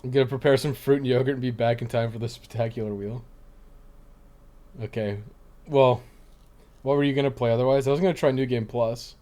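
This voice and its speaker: A streamer with a mid-range voice does casual live game commentary, chatting offhandedly with viewers and rambling as he thinks aloud. He talks a little fast with fairly even intonation and long pauses. Loud game music with plucked guitar plays behind his voice.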